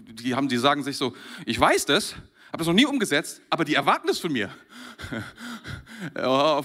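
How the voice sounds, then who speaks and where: A man from Germany preaches with a high, bright voice that swings widely up and down. His delivery is animated, and he chuckles often between phrases as he speaks to his congregation. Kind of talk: lively sermon to a congregation.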